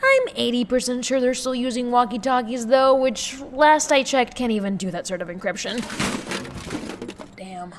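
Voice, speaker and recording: A woman playing a brisk, sardonic heist planner who mutters through checklists to herself in an audio drama. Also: fairly high pitch, close to an everyday voice. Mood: wry, wary. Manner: muttering checklist, sarcastic asides. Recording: reverberant room, clear background noise.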